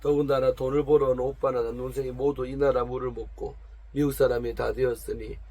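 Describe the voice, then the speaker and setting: A man's voice: mid-range voice, level tone, fairly quick, mellow, close to an everyday voice. A man reading as a proud, complaining 45-year-old woman. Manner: complaining, defensive, pleading. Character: proud, tearful woman of 45 from a noble family. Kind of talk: reading a story aloud.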